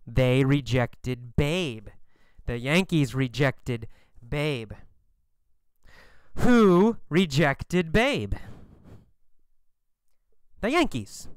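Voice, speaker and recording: Very slow, animated story-lesson teacher. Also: medium pitch, clean tone, no echo, studio quality. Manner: repetitive, drilling questions and answers; emphatic, exaggerated delivery. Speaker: English teacher. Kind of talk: question-and-answer story lesson.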